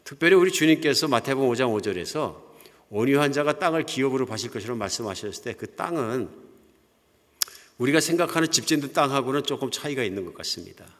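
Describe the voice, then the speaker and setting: A man's voice: mid-range voice, lively intonation, fast talker. An older man, a pastor, preaching a sermon in a conversational storytelling manner. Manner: conversational, anecdotal storytelling with soft chuckles. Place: church sanctuary. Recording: long hall reverb.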